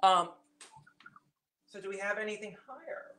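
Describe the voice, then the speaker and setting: Soft-spoken man painting, crowd chatter behind. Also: sits high, normal speed. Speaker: host, painter. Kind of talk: casual livestream chat while painting. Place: home room with an easel.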